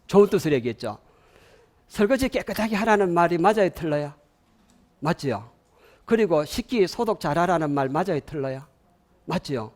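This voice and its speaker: A man with a Gyeongsang accent giving an animated lecture to parents, often asking the audience questions and having them repeat lines after him. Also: a little high, brisk, pauses often.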